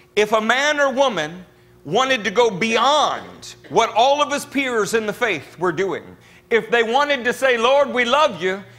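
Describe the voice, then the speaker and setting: A man speaks in a raised, projected voice with ordinary pitch variation. Faint music plays in the background. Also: fairly slow pace. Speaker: pastor. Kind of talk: sermon. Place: church.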